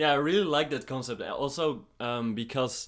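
At a moderate pace, a man with a Dutch accent speaks with ordinary pitch variation. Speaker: podcast host. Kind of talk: interview. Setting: video call.

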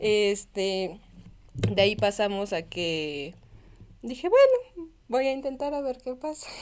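Speaking at a very slow pace, a woman with a central Mexican accent uses a fairly high pitch with very wide pitch swings. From Mexico, Tlaxcala. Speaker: customer support team lead, electronics engineer. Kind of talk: interview.

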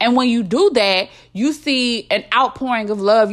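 Here a woman speaks in an animated tone. Her pitch is fairly high. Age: 30s. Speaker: podcast host. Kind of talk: casual monologue.

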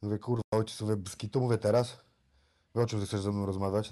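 A man speaks with a dark, mellow tone. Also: very clean recording, silent background. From Poland, Kuyavia (Ciechocinek). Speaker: bare-knuckle fighter. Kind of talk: casual interview. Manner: halting, repeats words.

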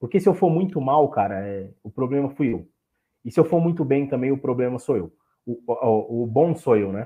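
A man's unremarkable speaking voice at a medium pitch and a moderate pace. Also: lively intonation. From São Paulo, Brazil (Itaquera, east side). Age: 30s. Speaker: real estate agency owner. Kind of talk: casual interview.

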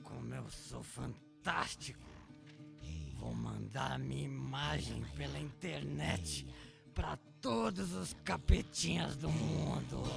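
A man puts on a menacing character voice. He speaks fairly slowly over clear music in the background. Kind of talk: comic villain. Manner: menacing, then comically vain.

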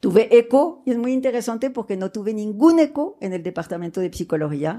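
A woman's fairly high voice in a French accent, dark and mellow in tone, with very wide pitch swings and a moderate pace. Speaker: columnist and feminist activist. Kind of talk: panel discussion before live audience. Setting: stage with audience.

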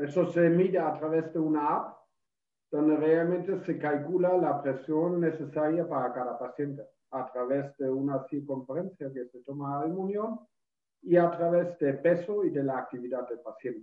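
This man speaks with a German accent. His pitch is fairly high. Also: ordinary pitch variation, moderate pace. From Germany. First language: German (speaking Spanish). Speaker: orthopedic technician. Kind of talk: casual interview.

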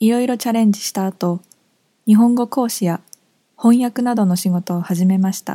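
The voice has a dark, mellow tone, is somewhat breathy, and moves at a moderate pace. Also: woman, fairly high pitch for a woman, ordinary pitch variation, dry, close sound with no echo. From Japan, Yamanashi Prefecture. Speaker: Japanese language teacher. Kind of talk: scripted narration. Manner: formal.

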